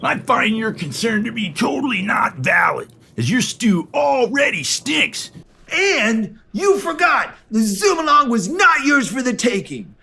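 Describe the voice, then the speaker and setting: A gravelly, husky wasteland negotiator, voiced by a performer, who speaks in stiff, formal phrases and slides around a wide pitch range. He often bursts into shouting in this comic post-apocalyptic sketch. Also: big pitch swings, a little slow, exaggerated voice. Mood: indignant. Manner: formal wording, shouts, turns giddy. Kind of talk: comedy audio sketch.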